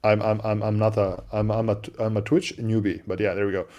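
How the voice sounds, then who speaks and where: A man with an accent co-hosting a livestream, answering viewer questions in a relaxed, chatty way with lots of fillers and restarts. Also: fairly low pitch, brisk. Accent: non-native English. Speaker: livestream co-host. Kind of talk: casual livestream chat.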